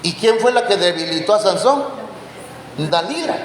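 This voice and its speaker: A man's voice: high voice, lively intonation, moderate pace. A man preaching a Bible teaching sermon, quizzing his congregation with questions and calling them brothers. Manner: addresses listeners as brothers. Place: church hall. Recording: echoey church hall, faint background noise.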